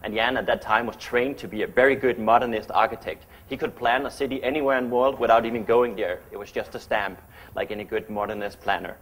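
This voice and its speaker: A man whose first language is Danish, giving a chatty, fast-paced public lecture in English as an architect. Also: fairly low pitch, steady tone, a bit bright. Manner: fast-talking, chatty, self-deprecating.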